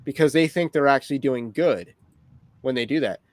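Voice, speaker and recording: A man's voice: medium pitch, normal speed. A man hosting a livestream, talking through topics casually with wry, rambling asides. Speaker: livestream host.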